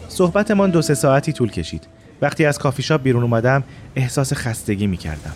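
A man narrating a reflective first-person story in a scripted style. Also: medium pitch. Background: faint music.

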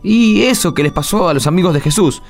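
An Argentine actor playing a thoughtful, conciliatory friend on a pilgrimage, colloquial and reflective, in a radio drama. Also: male voice, sits high, animated, a little fast. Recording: music behind the voice. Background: background music.

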